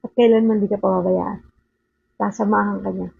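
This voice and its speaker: A woman's voice: mid-range voice, fairly even intonation, a little fast, creaky, slightly rough, no echo. An older woman at home giving an informal daily devotional talk, earnest and conversational, often checking in with a rhetorical question. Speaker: devotional speaker. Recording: narrow phone-like sound, dry.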